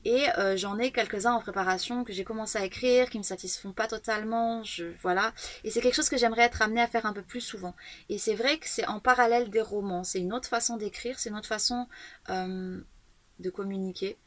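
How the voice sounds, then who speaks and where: A woman in her thirties, an author talking through her writing in a casual, reflective monologue, pausing often with fillers and restarts. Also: medium pitch, fairly even intonation, no room sound. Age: 30s. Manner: thoughtful, hesitant, many fillers and restarts. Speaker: author and video blogger.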